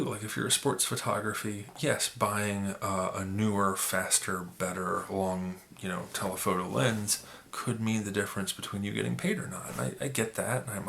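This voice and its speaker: Raspy sick guy rambling in a vlog, lowish fry-heavy voice, faint room hum. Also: sharp tone. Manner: rambling, with many restarts and fillers. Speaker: photography YouTuber. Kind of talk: casual opinion vlog.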